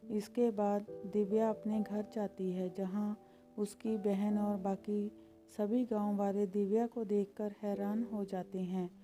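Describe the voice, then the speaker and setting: A woman narrating a children's moral story in a calm, scripted storytelling manner. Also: mid-range voice, takes it slowly, faint music behind.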